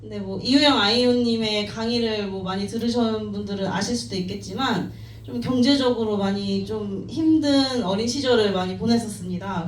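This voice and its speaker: A woman in her thirties tells her life story to an audience at a company meeting, in a modest, self-deprecating manner and with frequent light laughs. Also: medium pitch. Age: 30s. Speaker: team member giving a talk at a company meeting. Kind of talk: personal story talk to an audience. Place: meeting room. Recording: echoey room, distant mic, faint noise.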